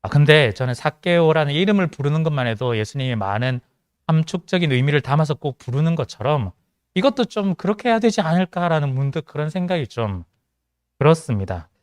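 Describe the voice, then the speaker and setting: A man's voice: fairly high pitch, very animated, a little fast, clean tone, dry recording, studio quality. A male pastor with a mild Gyeongsang accent, giving a conversational sermon with joking asides. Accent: mild Gyeongsang Korean. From Gyeongsang region of South Korea. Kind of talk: sermon to a young adults' congregation.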